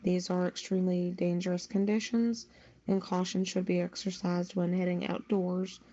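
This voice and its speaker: A woman's voice: lowish voice, little pitch movement, moderate pace, dark tone. A woman reading a scripted weather report as a news podcast's weather reporter. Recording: dull lo-fi sound.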